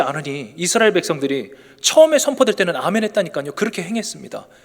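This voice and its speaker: His pitch sits high for a man. He speaks at a very fast pace. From Gyeongsang region, South Korea (Ulsan). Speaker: pastor. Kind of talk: sermon. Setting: church.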